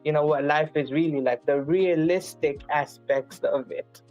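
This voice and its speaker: A soft-spoken young man from East London talks in a casual group chat, his multicultural London accent mixing several influences. His voice sits a little higher than most men's, and he keeps closing his lines with "though." Faint music plays underneath. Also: fairly even intonation, unhurried. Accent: multicultural London English.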